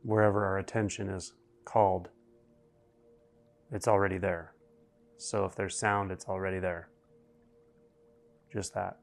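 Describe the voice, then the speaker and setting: A man with a low voice leads a guided meditation over faint music. His delivery is very even, with little melodic movement. He speaks in short, deliberate phrases, leaving long pauses between them. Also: gravelly.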